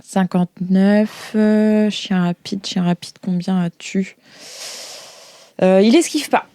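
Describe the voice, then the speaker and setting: Female game master, medium pitch, casual improvised narration of tabletop roleplay. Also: steady tone, slow, mellow.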